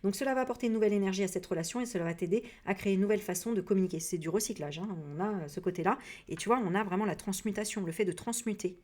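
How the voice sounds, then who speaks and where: A woman from France giving a casual spiritual reading, rambling with many hesitations and frank, animated asides. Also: medium pitch, very fast, hardly any pauses. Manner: rambling, full of hesitations and fillers. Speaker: psycho-energy practitioner and medium.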